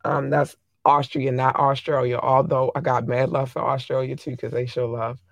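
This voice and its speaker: Hoarse, gravelly podcast host. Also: medium pitch, little pitch movement, moderate pace, no room sound. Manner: affectionate, shouting out listeners by country. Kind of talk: casual podcast chat.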